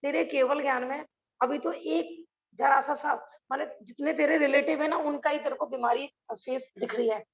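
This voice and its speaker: A woman's voice: sits high, steady tone, normal speed, muffled recording. A woman teaching a religious scripture class over a video call, talking earnestly and asking her listeners rhetorical questions.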